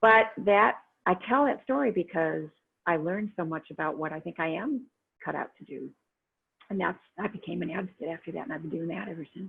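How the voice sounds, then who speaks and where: A soft-spoken, fairly low woman's voice with an American accent, fairly quick pace, lively intonation, big swings in loudness and long, frequent pauses. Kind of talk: interview. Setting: stage with audience.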